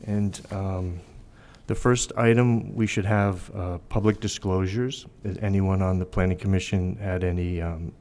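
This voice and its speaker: A man's voice: low voice, steady tone, unhurried, darkish tone. A man chairing a city planning meeting, hesitant and apologetic, with many ums. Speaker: commission chair. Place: council chamber.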